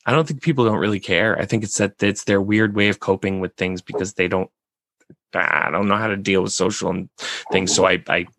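A man with a raspy voice, hosting a casual podcast chat and rambling with many restarts. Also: sits low, steady tone, a little fast, a bit bright, no room sound.

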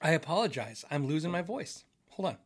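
A man's voice: a little high, very animated, a little fast, husky. A middle-aged man hosting a casual livestream from his home office, rambling and restarting as he reads out viewer messages. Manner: rambling, restarts often, many fillers. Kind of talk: casual chat.

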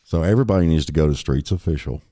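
Very deep, dark-voiced man. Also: racing, no room sound, studio quality. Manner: rambling, laid-back storytelling. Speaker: podcast host. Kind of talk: casual chat.

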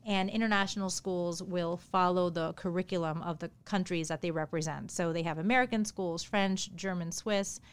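Woman author from New York, Japanese her first language, smooth and clear, a bit low. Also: normal speed, hardly any pauses. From New York City area. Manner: animated, chatty storytelling. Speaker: author, podcast guest. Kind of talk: interview storytelling.

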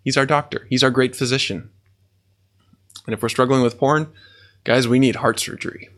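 A man hosts a faith podcast in a mid-pitched voice. He talks earnestly and breaks into awed exclamations. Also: fairly even intonation, moderate pace, a bit bright. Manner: earnest, exclaims in awe and wonder. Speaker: podcast host. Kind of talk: faith podcast talk reading listener comments.

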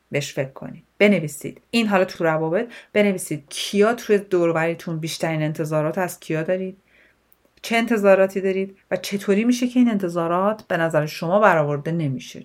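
Lively Persian woman coach talking. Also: on the low side. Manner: animated, direct, asks rhetorical questions and mixes in English words. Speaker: life coach. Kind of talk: solo advice podcast monologue.

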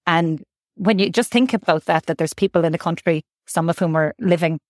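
A woman's voice: fairly low pitch, fairly quick, darkish tone, no echo, studio quality. A woman doctor, answering interview questions thoughtfully and often repeating words as she thinks. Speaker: guest doctor.

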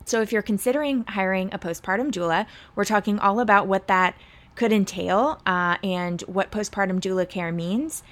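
A woman hosting a parenting podcast reads a scripted, upbeat intro, then chats with her guest in a friendly way. Her voice is medium-pitched and her speed normal.

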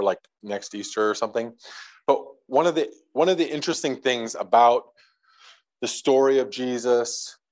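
A man's voice: medium pitch, rough recording. A man preaching a casual, conversational sermon to a congregation, reading scripture aloud and adding light jokes. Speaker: pastor.

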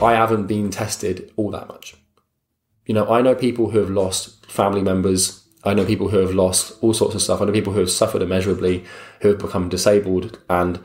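A man's voice: low-pitched, darkish tone. Blunt young man, roomy echo. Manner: blunt, swears casually, addresses listener as mate. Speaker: motivational speaker. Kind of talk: motivational talk to the listener.

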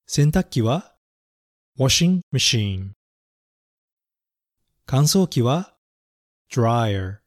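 A man reading a children's story and teaching English words, speaking clearly and carefully and spelling words out letter by letter. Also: medium pitch, darkish tone, no echo, studio quality. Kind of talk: bilingual children's lesson narration.

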